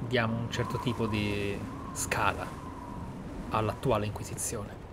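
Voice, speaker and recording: A man's voice: lowish voice, flat delivery, measured pace, very noisy. Man, dramatic gaming commentary. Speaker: gaming streamer, host. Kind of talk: emphatic roleplay let's play commentary.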